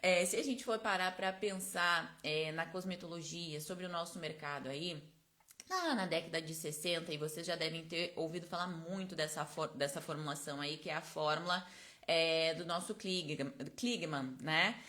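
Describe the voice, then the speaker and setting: A woman, her voice sitting a little low, speaks close to the microphone as she teaches a live online class. She talks in a chatty, explanatory way, checking in with her listeners after almost every point. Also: moderate pace, pushed and bright. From Brazil. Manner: chatty, explanatory, constant tag questions. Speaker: esthetics course instructor. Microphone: close personal microphone.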